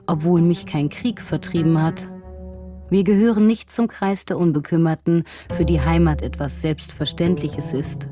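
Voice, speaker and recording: A woman narrating a personal documentary in a calm, measured, reflective first-person voice. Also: low voice. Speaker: journalist and narrator.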